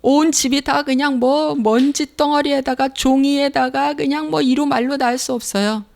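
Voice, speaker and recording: A woman's voice: high voice, fairly even intonation, normal speed, gravelly, darkish tone. A middle-aged woman pastor preaching a sermon, emphatic and repeating her phrases. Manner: emphatic, repeats phrases, acts out inner voices.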